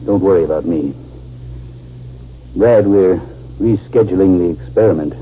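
An actor with an American accent playing an authoritative but kindly army general in a 1950s radio drama. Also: male voice, deep voice, normal speed, natural voice. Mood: gentle, concerned. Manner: commanding yet kindly. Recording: dull, noisy old radio recording.

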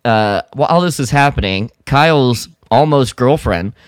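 A man co-hosting a podcast, chatting casually and haltingly as he recaps a story. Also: mid-range voice, animated, clear, resonant tone, no echo, clean studio sound. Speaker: podcast co-host. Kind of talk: casual chat recapping a radio drama.

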